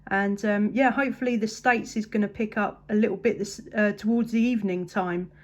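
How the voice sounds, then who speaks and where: A muffled recording captures an English woman chatting briskly as a CB radio operator. Her medium-pitched voice is a little mellow with fairly even intonation, and she sounds upbeat and appreciative in the casual exchange.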